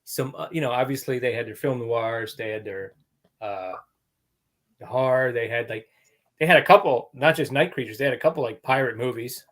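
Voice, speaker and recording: A man's voice: mid-range voice, normal speed, a bit bright. A man co-hosting a casual movie podcast who talks in a chatty, enthusiastic way. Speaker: podcast co-host.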